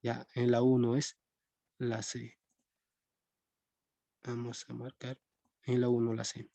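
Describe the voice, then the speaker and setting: Mellow-voiced man teaching a class. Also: medium pitch, monotone, slow pace, gravelly, dry recording. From Peru. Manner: conversational, checks in with students often. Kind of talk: live-streamed philosophy class.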